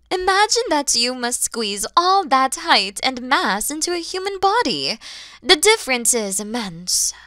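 Woman acting a huge motherly dragon woman, kind and teasing, ASMR roleplay, high lilting voice, unhurried. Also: sharp tone, no room sound, clean studio sound, exaggerated voice. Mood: patient, explaining. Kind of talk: ASMR audio roleplay addressed to the listener.

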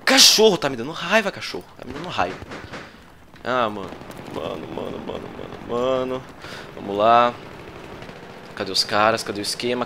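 A young Brazilian gaming YouTuber, nervous and sweating, gives live commentary over his own gameplay in a Brazilian Portuguese accent. He is excitable, swears at the game and yelps in frequent outbursts whenever something happens. His voice is mid-range, with a little hiss or hum in the recording.

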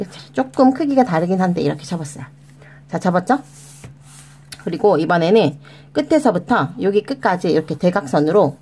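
A woman's voice: medium pitch, vocal fry, a little mellow, slight background noise. A woman hosting a children's origami tutorial, guiding step by step in a coaxing, sing-song way and talking to the kids as her friends. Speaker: children's origami channel host.

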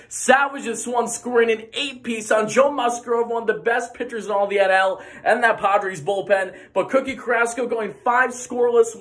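Young guy with a high voice doing a hyped game recap into his phone, small room. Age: young adult. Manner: animated play-by-play recap, bursts of excited shouting. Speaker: sports channel host. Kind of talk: post-game recap vlog. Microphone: phone at arm's length.

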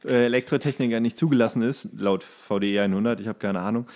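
A man's voice: fairly low pitch, quick pace, darkish tone. A male podcast co-host chatting casually about practical things in a colloquial, jokey, rambling way. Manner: colloquial, jokey, loose and digressive. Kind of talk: casual, rambling chat about tools and DIY.

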